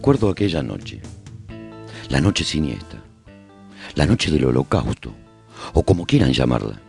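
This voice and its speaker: A man's voice: extremely low pitch, big pitch swings, normal speed, creaky, a little mellow, faint music behind, exaggerated voice. A man playing a haunted, reflective survivor who chronicles the apocalypse in theatrical, emphatic first-person radio-serial narration. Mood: haunted remembering.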